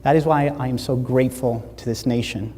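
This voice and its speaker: A man, giving a keynote speech and acting out stories with lively dialogue. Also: mid-range voice, brisk, big-room sound, slight background noise. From Latin America, Spanish-speaking. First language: Spanish. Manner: animated storyteller acting out dialogue. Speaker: motivational speaker. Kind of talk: keynote speech to a live audience. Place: large hall.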